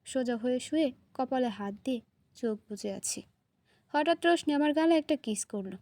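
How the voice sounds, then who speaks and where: Woman storyteller, high-pitched, expressive first-person reading, dry sound. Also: normal speed, no room sound.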